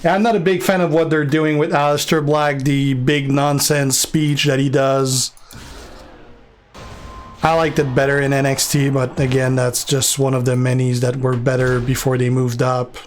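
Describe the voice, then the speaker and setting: A man's voice: medium pitch, moderate pace, a little hiss or hum. A young man from Canada with a French Canadian accent, casually rambling as he answers viewer questions on a live game stream. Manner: relaxed, rambling with fillers and restarts.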